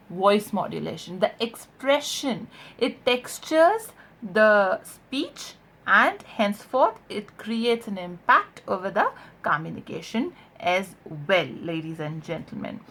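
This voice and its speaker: Woman, non-native English speaker, mid-pitched voice, online coach, explanatory lesson style, emphatic, stretched key words, frequent check-in tags. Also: a bit bright. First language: not English.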